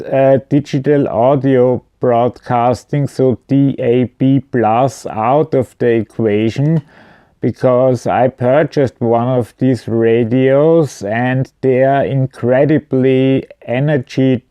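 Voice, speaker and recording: Man, unhurried, smooth clear voice, informal explainer, matter-of-fact, slightly hesitant. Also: medium pitch, fairly even intonation, dry recording, highs cut off. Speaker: video presenter. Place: indoors at home.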